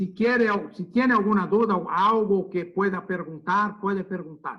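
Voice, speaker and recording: A man with a Brazilian accent, high-pitched for a man, bright and sharp in tone, at a moderate pace with ordinary pitch variation. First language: Portuguese (speaking Spanish). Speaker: physician, infectious disease lecturer. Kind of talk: Q&A after lecture.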